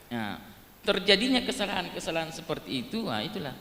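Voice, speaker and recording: Speaking at a fairly quick pace, a man lets his pitch swing very widely. Noticeable background noise and audible room echo fill the recording. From Sulawesi, Makassar. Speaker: mosque imam and Islamic preacher. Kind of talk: religious lecture. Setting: mosque with congregation. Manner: conversational, many filler words (iya, ya).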